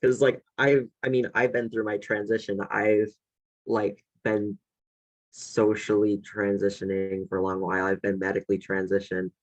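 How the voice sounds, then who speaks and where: A young man with a deep, gravelly voice talks in a halting, casual way, leaning on filler words as he searches for his thoughts. The audio is dull and lo-fi, as from a webinar call. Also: level tone. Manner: hesitant, heavy on filler words. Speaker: student panelist. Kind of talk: casual panel discussion. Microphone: video call.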